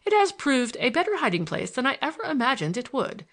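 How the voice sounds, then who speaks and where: A woman's voice: on the high side, very animated, moderate pace, fairly bright tone. A woman voicing a genial, sly old grandfather in an audiobook, teasing and grandly courteous. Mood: proud, triumphant. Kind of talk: audiobook character dialogue.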